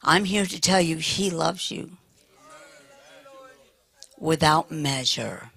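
An older American woman preaching a lively sermon with humor, talking in a big, animated, playful voice. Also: low voice, slow, gravelly.

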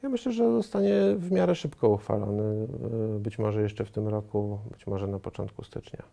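A man in his thirties, a studio guest answering interview questions in a measured way, with frequent hesitations and restarts. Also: on the low side, creaky, dark tone. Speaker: studio guest, member of parliament. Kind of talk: political TV interview. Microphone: lapel mic.

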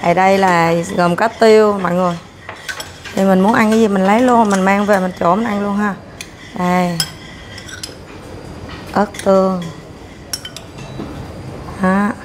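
A woman's voice: mid-range voice, fairly even intonation, unhurried, long pauses, noisy background. A woman in her thirties on a lapel mic, chatting casually as she walks a hotel breakfast buffet and serves herself. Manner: chatty, narrating while serving herself food. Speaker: food vlogger. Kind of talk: casual walkthrough vlog. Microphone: clip-on lapel mic. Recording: clinking dishes and cutlery behind.

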